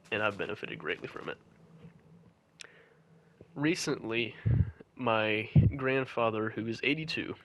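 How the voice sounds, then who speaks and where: A young man talks through a stuffed-up nose, and his fairly low voice comes out nasal, with sniffles between phrases. He speaks in an earnest, measured way as he reflects on his own habits, sometimes restarting a sentence to get the wording right. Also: a bit bright, rough recording. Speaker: channel host. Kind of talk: reflective monologue.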